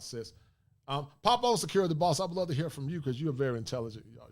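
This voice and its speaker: A man's voice: mid-range voice, darkish tone. A man in his forties hosting a podcast, talking casually and joking with his co-hosts, often laughing. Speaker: podcast host.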